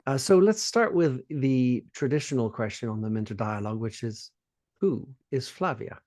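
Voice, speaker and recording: A man hosting a podcast interview, relaxed and a bit hesitant as he poses questions. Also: medium pitch, moderate pace. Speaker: podcast host. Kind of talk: casual interview.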